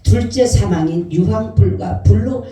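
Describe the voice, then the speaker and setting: A pastor preaching an Easter sermon in a church, lively and questioning the congregation. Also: medium pitch, unhurried, soft background music. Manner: animated, asks the congregation questions. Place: church sanctuary. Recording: very echoey church hall, mic far off.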